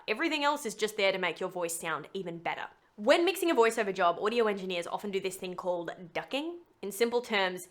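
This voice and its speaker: A woman presents a tutorial in a chatty, explanatory style. Her pitch sits in the middle range, and she leans on key words expressively as she walks viewers through each step. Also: fairly bright tone. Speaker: voice-over tutorial host.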